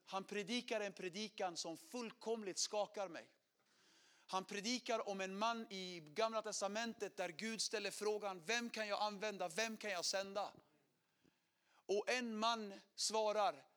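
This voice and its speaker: With a high voice, a middle-aged man animatedly shares his conversion testimony in a sermon. He acts out quotes and shifts between loud and hushed delivery.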